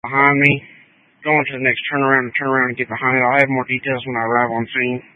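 A man, a highway patrol officer calling in over a two-way radio in terse, clipped codes. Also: level tone, fast talker, no room sound. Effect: heard over a two-way radio. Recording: tinny, dry two-way radio channel.

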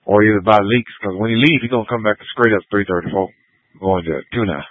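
A man's voice: on the low side, brisk, no room sound. A man, a police officer, calling dispatch over a police radio in clipped codes, matter-of-fact. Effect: police radio transmission. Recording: tinny dry police radio.

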